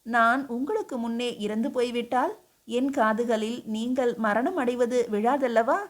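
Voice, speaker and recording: A woman's voice: fairly high pitch, measured pace, close to an everyday voice. A woman voicing a humble, devoted queen who speaks earnestly and pleadingly, in an audiobook reading. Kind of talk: audiobook character voice.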